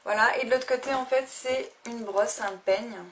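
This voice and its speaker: A woman's voice: on the high side, steady tone, normal speed, fairly bright tone. A young woman casually reviewing makeup she bought, talking hesitantly with many fillers and restarts. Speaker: beauty vlogger. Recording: faint noise, a little distant from the mic.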